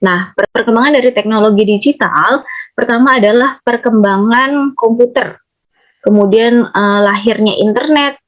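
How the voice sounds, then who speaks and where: A woman presenting a training lecture from slides, explaining steadily and often pausing on hesitations. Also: on the high side, dull audio.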